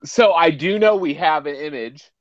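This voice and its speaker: A man's voice: fairly high pitch, moderate pace, dry recording. A man with a Boston accent co-hosting a casual gaming podcast, laid-back and brief, calling in from his phone. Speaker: podcast co-host. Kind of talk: casual chat. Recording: dull phone audio.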